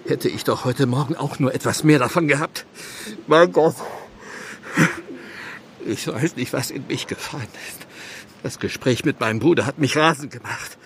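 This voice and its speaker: An actor playing an anguished village clergyman burdened with guilt, speaking gravely and earnestly in a radio play. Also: medium pitch, moderate pace, slight background noise, close to an everyday voice. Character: anguished, guilt-ridden English village clergyman confessing murder. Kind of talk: German radio play acting.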